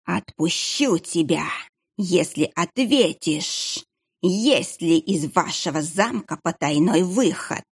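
A sinister hooded monk from an audiobook who hisses every threat in a slow, drawn-out, snake-like voice. The tone is low, gravelly and husky, as a woman narrator puts him on. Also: animated, full character voice. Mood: menacing hiss. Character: sinister hooded male monk, menacing and cruel.

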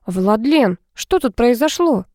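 A woman's voice: a little high, animated, normal speed, a little mellow, no echo, clean studio sound, pitched above the performer's own voice, lightly acted. Woman reading as an eager young student friend. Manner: eager, questioning.

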